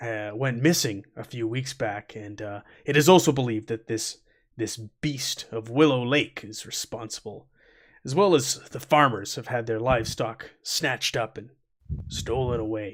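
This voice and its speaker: In a very clean recording with a silent background, a man uses a put-on character voice at medium pitch and moderate pace, with big swings in loudness. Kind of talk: fantasy lord, formal speech. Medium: actual play. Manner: stammering, repetitive.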